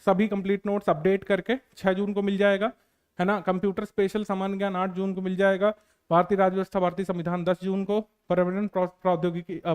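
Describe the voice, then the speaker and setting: A male coaching teacher lectures students on exam preparation in an earnest, repetitive way, dotted with filler sounds. His voice sits high and comes across clean and smooth. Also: a little mellow.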